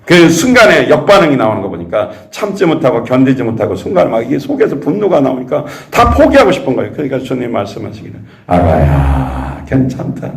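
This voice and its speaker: A man's voice: mid-range voice, very animated, quick pace, gravelly, few pauses. A male pastor from South Korea preaching a sermon, asking the congregation rhetorical questions. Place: church sanctuary. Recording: echoey church sanctuary.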